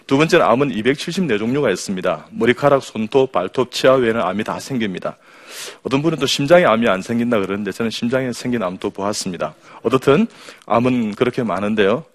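A man who is a surgeon and professor, giving a humorous health talk to an audience, reeling off rhythmic word lists and coaxing reactions from the crowd. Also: medium pitch. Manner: jokey, rhythmic word lists, quotes patients in their voices.

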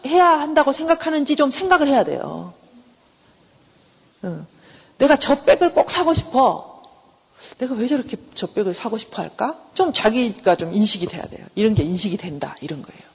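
A woman's voice: a little high, a little mellow, breathy edge. A middle-aged woman, a professor, giving a conversational university lecture on counseling. She asks the class questions, answers them herself and acts out short everyday exchanges. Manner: acts out quick everyday exchanges in shifting voices. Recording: lecture hall with long reverb.

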